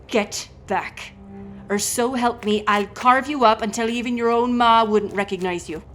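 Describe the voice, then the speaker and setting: A woman's voice: on the high side, fairly even intonation, measured pace, faint music behind, close to an everyday voice. A woman playing a defiant, sarcastic, foul-mouthed ship captain held prisoner in an audio roleplay. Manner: sarcastic, wordy, biting.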